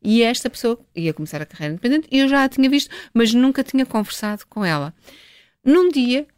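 A middle-aged woman from Portugal, a scientist telling a story in a relaxed, lively interview. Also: fairly high pitch, fast talker, clear, resonant tone, no room sound, studio quality. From northern Portugal. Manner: lively, chatty, with frequent restarts and laughs. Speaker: scientist guest.

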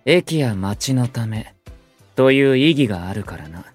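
An aloof young perfectionist idol in an anime-style audio drama. He is severe and haughty, with clipped formal phrasing and a widely moving pitch, over background music. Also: lively intonation, unhurried. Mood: haughty, resolute.

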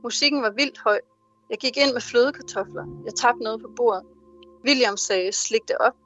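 A woman's voice: a little high, fairly bright tone, dull audio, faint music behind. A woman author in an interview who answers hesitantly with many fillers and reads aloud from her novel. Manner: hesitant with many fillers when speaking freely.

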